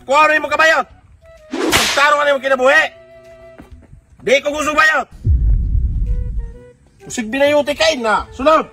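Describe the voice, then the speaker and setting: Strict comedy-skit cadet instructor, male actor, Visayan accent, strikingly high voice, teasing interrogator, music underneath. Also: moderate pace, pauses often, bright, forceful tone, heavily acted. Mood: bossy. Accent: Filipino, Visayan.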